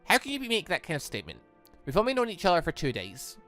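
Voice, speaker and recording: Streamer doing an anxious sweet robot girl, hesitant n earnest, bright voice, visual novel game. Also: mid-range voice, wildly swooping pitch, rapid-fire, faint music behind. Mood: doubtful.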